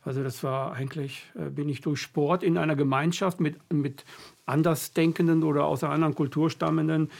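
A man's voice: a little high, fairly even intonation, vocal fry. A middle-aged man from western Germany interviews his guest in casual conversation, thinking aloud as he shares his own stories. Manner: halting, thoughtful storytelling.

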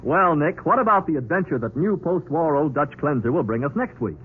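High, animated 1940s American radio announcer man. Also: a little fast. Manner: polished, emphatic delivery. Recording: narrow-band 1940s radio with music. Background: music.

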